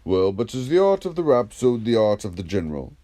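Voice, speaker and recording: A man reading the part of a patient, ironic, probing philosopher in a dramatised dialogue, in a measured, declamatory, questioning manner. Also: on the low side, very animated, mellow.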